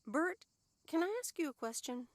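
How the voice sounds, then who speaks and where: Lively, curious young woman. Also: high voice, moderate pace, no echo. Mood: restless, curious. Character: curious, restless younger woman on a fishing trip. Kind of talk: video game voice acting.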